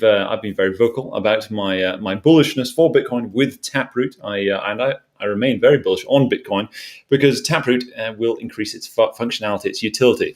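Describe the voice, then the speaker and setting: Male analyst, fairly low voice, conversational market commentary, halting phrasing. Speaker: show host and investment analyst.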